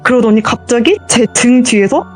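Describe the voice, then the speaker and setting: A woman's voice: fairly high pitch, moderate pace, soft background music. A woman telling her own true ghost story as a guest, vividly acting out the voices in it.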